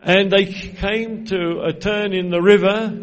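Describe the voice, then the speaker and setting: Slow Australian man telling a story. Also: high-pitched, fairly even intonation, muffled recording. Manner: storytelling, pausing for interpretation. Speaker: preacher. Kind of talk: sermon in English with live interpreter.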